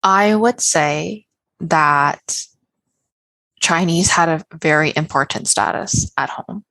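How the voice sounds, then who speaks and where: A woman appearing as a podcast guest, speaking in a measured way and mixing English with Cantonese. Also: deep voice, bright, forceful tone, no room sound. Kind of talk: casual podcast chat.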